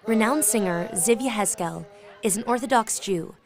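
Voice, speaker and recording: A woman reporter narrating a scripted news feature in a measured, even tone. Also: on the high side, a crowd in the background. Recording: voice-over with music bed. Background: music.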